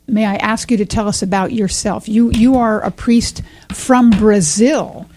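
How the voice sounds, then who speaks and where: Woman interviewer, friendly, laughs a lot, normal pitch. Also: steady tone, measured pace, a little mellow.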